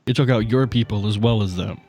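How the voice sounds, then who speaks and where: A man talking casually as a player at a tabletop game, halting and repeating his words as he thinks aloud. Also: fairly low pitch, dark tone, soft background music.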